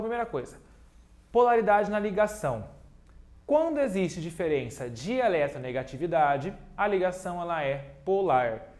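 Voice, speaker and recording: A man teaching a chemistry video lesson at a digital whiteboard. He repeats key points step by step, talks straight to his students and slips in playful jokes at his own expense. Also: sits high. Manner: playful, cracks jokes and teases himself between explanations.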